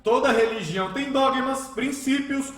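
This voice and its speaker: Frenetic high-pitched fanatical priest. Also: male voice, unhurried, a bit bright. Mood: scornful. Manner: frenetic, declamatory, mocking, insistent. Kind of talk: radio drama acting, oratorical. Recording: roomy, echoing voice.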